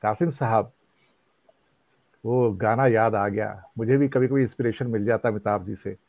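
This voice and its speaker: A man moderating a panel debate, speaking in a measured way and working song lines into his remarks. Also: on the low side, steady tone, dry recording. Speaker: debate host. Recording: dry, muffled lo-fi audio.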